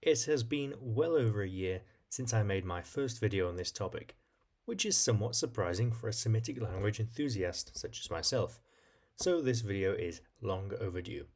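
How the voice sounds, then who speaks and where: A man's voice: fairly low pitch, lively intonation, normal speed, darkish tone. A man hosting an educational video, reading scripted narration in an explanatory style. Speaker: video host.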